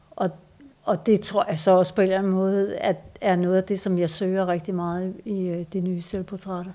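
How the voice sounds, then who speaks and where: A woman talks at a moderate pace in a medium pitch. Her tone is dark and mellow, and her intonation stays flat and monotone. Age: 50s. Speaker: art photographer. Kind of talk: casual chat. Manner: halting.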